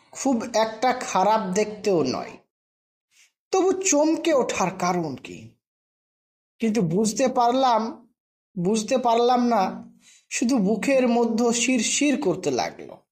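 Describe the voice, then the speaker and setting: A woman narrating a scripted first-person short story in a measured, dramatic reading with pauses. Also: mid-range voice.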